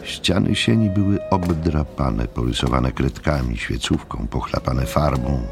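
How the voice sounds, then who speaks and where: A man with a deep gravelly voice narrating a scripted audiobook story. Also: unhurried, music in the background.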